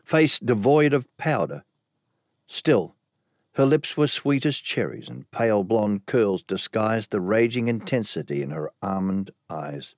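A man's voice: fairly low pitch, unhurried, dry recording, studio quality. Man narrating an audiobook. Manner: first-person, even storytelling.

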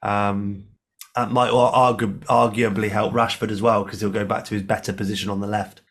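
A man with a hoarse voice co-hosting a casual football podcast, chatty and laughing often. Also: lowish voice, level tone, fairly quick. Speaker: podcast co-host.

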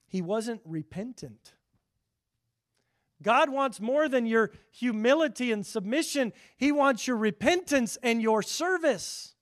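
A middle-aged man preaching a sermon in an earnest way, getting louder when he quotes scripture and quieter for asides; he has a high voice for a man. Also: animated, slow pace. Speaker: pastor.

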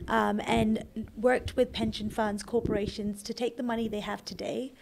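A young adult woman from Kenya, a startup founder, answering interview questions in a relaxed, conversational way with occasional fillers. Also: mid-range voice, creaky, rough recording. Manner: conversational, explains at length with fillers and restarts.

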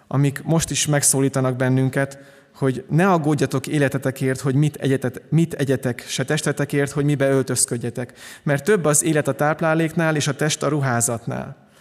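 Man preaching in a reverberant hall. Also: medium pitch. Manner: calm, earnest preaching with frequent restarts. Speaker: pastor. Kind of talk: sermon.

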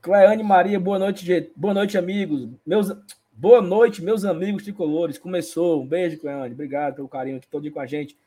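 A man's voice: high voice, steady tone, normal speed, mellow, husky. A man, co-hosting a casual fan show and playfully reading viewer comments aloud. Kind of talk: casual live-stream chat.

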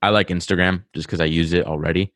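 Guy w/ rhode island accent, really low voice, dry close sound, chatty and excited. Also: quick pace, no room sound. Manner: talkative, enthusiastic, self-interrupting. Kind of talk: casual podcast chat.

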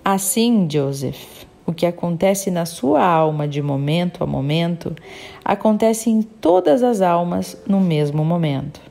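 A woman reading the lines of a calm, wise male spiritual healer in measured, earnest pronouncements. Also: fairly low pitch, gravelly. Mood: solemn.

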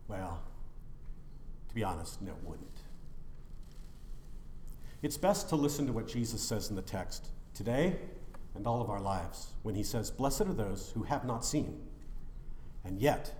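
Speaking in a lowish voice, a male pastor gives an animated, emphatic sermon a little slowly, with long pauses. His delivery shifts from loud declarations to sudden quiet drops. A roomy church echo surrounds him, with a little hiss or hum.

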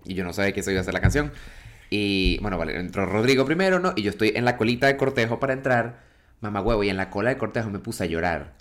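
A man with a Venezuelan accent co-hosting a podcast, telling stories in an expressive, casual way and swearing freely. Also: on the low side, quick pace. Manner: expressive storyteller, swears casually, dramatic mock-pleading. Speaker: podcast co-host. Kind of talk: casual chat.

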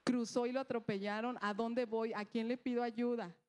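A woman's voice: a little high, steady tone, moderate pace, darkish tone. A woman preaching a sermon, mixing a personal story with rhetorical questions and acted-out dialogue.

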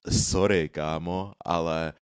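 A man's voice: deep voice, fairly even intonation, smooth, dry recording, clean studio sound. A man chatting casually with friends, rambling and slangy, slipping English phrases into his talk. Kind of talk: casual chat among friends.

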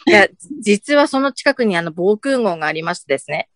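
A speaker tells tall tales with a straight face in a casual podcast. The voice moves a lot in pitch. The recording is dry and close. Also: animated, a little fast, fairly bright tone, dry recording.

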